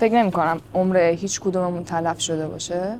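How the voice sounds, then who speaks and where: A woman's medium-pitched voice in a dark, mellow tone. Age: 20s. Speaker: young interviewee. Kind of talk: interview answers.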